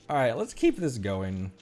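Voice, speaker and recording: A man's voice: medium pitch, darkish tone. A male streamer chatting casually on a live stream, tired, self-deprecating and laughing often.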